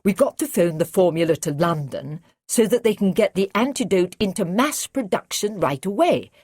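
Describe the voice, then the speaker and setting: A woman voicing a brisk, confident male scientist in an audiobook. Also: medium pitch, expressive, a little mellow, dry recording, studio quality, lightly acted. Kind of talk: audiobook character reading.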